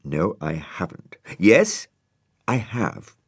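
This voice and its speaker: A man's voice: deep voice, very animated, takes it slowly, husky, no room sound, exaggerated voice. A man voicing a grumpy, vain and sardonic dog in a storybook reading, with a dry, grumbling delivery. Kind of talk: storybook character voice.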